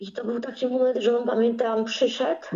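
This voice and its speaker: This woman speaks at a fairly slow pace. Her pitch is fairly high. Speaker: abuse survivor telling her story. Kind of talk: tearful life story, halting, emotional testimony about abuse. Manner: halting, tearful, pained, with repetitions and broken sentences.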